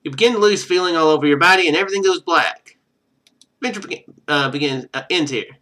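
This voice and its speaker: Male let's-play streamer, bright forceful tone, slightly high pitch, reads game text and comments casually. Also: fast. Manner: thinks aloud while playing.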